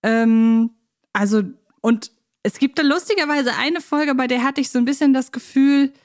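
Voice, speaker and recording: A woman's voice: high-pitched, moderate pace. A woman co-hosting a podcast, chatting casually and enthusiastically. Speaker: podcast co-host.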